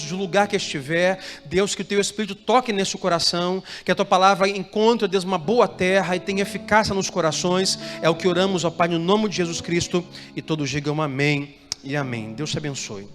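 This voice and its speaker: A Brazilian man with a high voice preaches to his congregation and keeps calling on them to repeat phrases and answer his questions. His voice rings through a reverberant church hall. Soft music plays faintly underneath. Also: brisk. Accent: Brazilian Portuguese. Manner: preaching with call-and-response prompts to the congregation. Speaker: pastor. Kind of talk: sermon.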